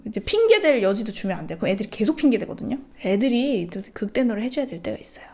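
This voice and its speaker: A woman hosting a casual chat, telling parenting stories in an animated way and acting out family members' lines. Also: fairly high pitch, very fast. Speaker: YouTube host.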